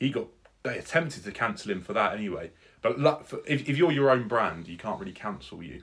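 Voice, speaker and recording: Speaking with a British accent, a man uses a medium pitch with very wide pitch swings. His loudness swings widely and his pace is fairly quick. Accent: British English, informal. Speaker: podcast co-host. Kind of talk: casual banter chat.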